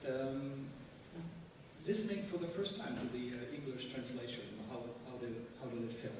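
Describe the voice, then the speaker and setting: A man moderating a live stage interview, effusive but hesitant, pausing as he builds his questions. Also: medium pitch. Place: large event hall, indoors. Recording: echoey hall, distant mic, noisy.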